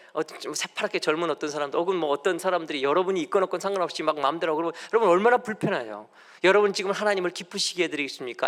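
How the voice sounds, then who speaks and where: A middle-aged male pastor preaching a sermon in a church, moving between loud urging and soft asides. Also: a little high. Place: church sanctuary.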